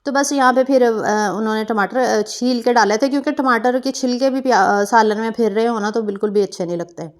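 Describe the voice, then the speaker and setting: A woman's voice: on the high side, a little fast, few pauses. Chatty Pakistani woman cooking vlogger. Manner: chatty, meandering, with frequent fillers and self-corrections. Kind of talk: casual vlog narration.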